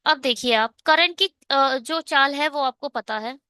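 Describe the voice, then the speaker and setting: A woman's voice: high voice, measured pace, bright, forceful tone, dry recording, studio quality. A woman teaching an online exam-prep math lesson, working through a problem step by step and asking and answering her own questions.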